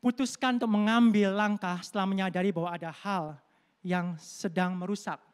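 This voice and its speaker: A man's voice: high-pitched, steady tone, moderate pace, smooth. A middle-aged man preaching a Sunday sermon at a church service. He talks in a conversational, storytelling way, addresses the congregation directly and slips English words into his speech. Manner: conversational preaching, addresses listeners as "saudara", tells personal stories. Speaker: pastor.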